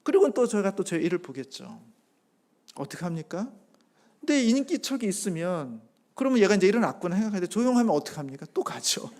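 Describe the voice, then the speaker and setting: A middle-aged male pastor giving a sermon, swelling loud on key phrases and then dropping soft, with homely family stories along the way. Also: sits high, very animated, quick pace. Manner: tells a homely family story with acted-out quotes.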